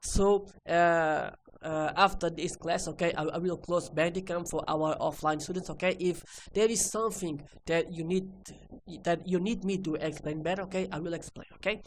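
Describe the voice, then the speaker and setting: A woman with a Portuguese accent, a native Portuguese speaker, giving a technical lesson step by step in a halting, repetitive way, often checking with the listener. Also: fairly low pitch, a little hiss or hum. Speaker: computer repair instructor. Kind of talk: screen-recorded technical lesson, explaining step by step.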